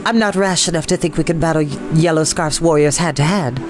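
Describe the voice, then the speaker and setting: A man's voice: fairly high pitch, brisk, over music, close to an everyday voice. A man reading the part of a bold, plain-spoken village woman in a storybook, with a spirited, blunt manner. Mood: defiant, confident.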